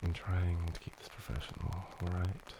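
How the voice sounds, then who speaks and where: A man's voice: low-pitched, little pitch movement, normal speed, background noise. A man playing a flustered, smitten young tutor in a whispered role-play, with a nerdy, awkward, stammering delivery. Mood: teasing, strained. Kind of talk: whispered role-play, boyfriend ASMR acting.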